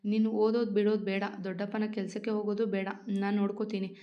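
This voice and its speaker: A playful, loving young wife speaks softly and fondly in a storybook reading, voiced by a woman. Her pitch stays quite flat, and the recording sounds dull and lo-fi. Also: racing, natural voice. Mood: upset.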